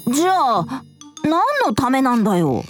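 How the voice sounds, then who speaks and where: A stern young tyrannosaurus boy, voiced by a woman, tough and scolding in a high, boyish voice. His pitch swings widely as he lays down the law in a children's audio drama. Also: big pitch swings, unhurried, faint music behind, exaggerated voice. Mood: puzzled.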